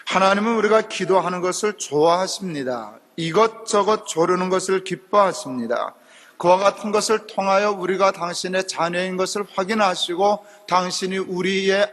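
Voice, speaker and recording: A middle-aged man preaching a sermon as pastor, telling stories in a chatty way and voicing quotes in a lower tone. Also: fairly bright tone. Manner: conversational storytelling, acts out quotes in a low voice. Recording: long reverb of a church hall.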